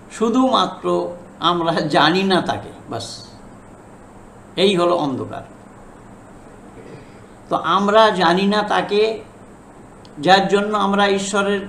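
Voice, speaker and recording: A man preaching a didactic sermon as a non-native learner of Bengali, halting and repeating phrases for emphasis. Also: high-pitched, a bit bright. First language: not a native Bengali speaker. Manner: halting learner's Bengali, self-described as broken. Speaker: religious preacher. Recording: echoey room with faint background noise.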